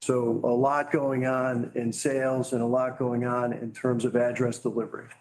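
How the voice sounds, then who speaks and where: A man's voice: mid-range voice, little pitch movement, normal speed, a little mellow, poor audio. A man speaking as a company executive, giving business commentary in answer to questions on an earnings call.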